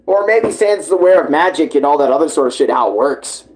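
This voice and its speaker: Slangy, swearing male livestreamer, slightly high voice. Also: lively intonation, fast, a little hiss or hum. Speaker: livestreamer reacting to a comic dub series. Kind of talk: casual live reaction commentary.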